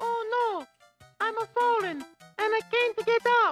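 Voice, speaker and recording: A put-on character voice at an extremely high pitch and moderate pace, with faint music in the background. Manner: cheesy, over-the-top advertising style.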